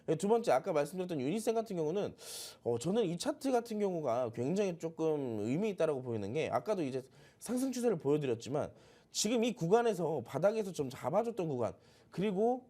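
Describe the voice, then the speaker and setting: Man, stock analyst, sore throat, animated intonation, brisk pace, explanatory commentary addressed to viewers. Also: fairly high pitch. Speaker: stock expert guest.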